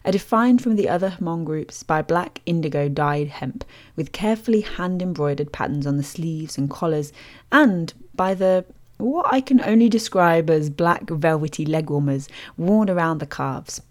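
A woman host reading scripted documentary narration in a measured, descriptive storytelling manner as a studio voice-over. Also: low voice, lively intonation.

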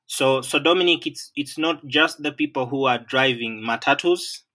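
A man from Western Uganda with a Ugandan accent, speaking slowly with many pauses and fillers in an interview. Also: mid-range voice, pushed and bright. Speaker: land management professional. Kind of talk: remote interview conversation.

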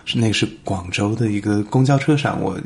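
Low-voiced foreign man with accented Mandarin, gravelly. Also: fairly quick. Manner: fluent, slips in English words. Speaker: podcast guest. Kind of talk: casual interview conversation in Mandarin as a foreign speaker.

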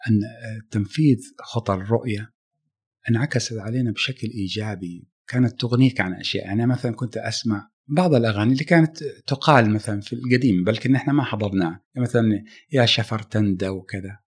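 Husky, fast-talking middle-aged man. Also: on the low side, lively intonation. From Saudi Arabia. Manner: reflective, halting with restarts and trailing phrases. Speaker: musician guest. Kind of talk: casual interview talk.

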